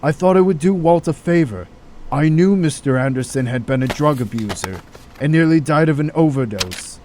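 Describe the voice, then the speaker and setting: A man's voice: fairly high pitch, lively intonation, normal speed, a little mellow, close to an everyday voice. A man acting a troubled, wrongly accused doctor in an audio drama, hesitant and earnest. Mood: indignant, protesting. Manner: hesitant, stammering, protesting. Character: distraught, indignant male doctor, wrongly accused. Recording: faint background noise.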